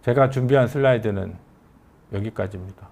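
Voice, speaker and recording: A middle-aged oncology professor with a regional Korean dialect gives a conversational medical lecture in a lowish, gravelly voice at a brisk pace. He lectures in an animated way, acting out the questions patients ask.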